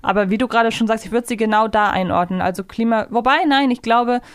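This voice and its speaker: A woman's voice: fairly high pitch, fast, clean tone, dry recording, studio quality. A woman co-hosting a conversational review podcast in standard speech, talking in a considered, articulate way. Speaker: podcast co-host.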